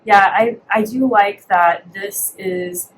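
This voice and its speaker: A woman guest in a casual makeup chat, agreeable and soft-spoken, often answering with a quick yeah. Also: medium pitch, a little hiss or hum, low-quality recording.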